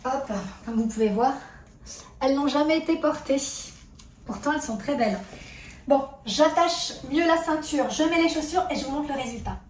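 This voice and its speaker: Woman vlogger, fairly high voice, enthusiastic and chatty, roomy echo, faint background noise. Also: moderate pace. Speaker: lifestyle vlogger. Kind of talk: casual vlog chat to camera. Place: outdoors at a countryside ranch.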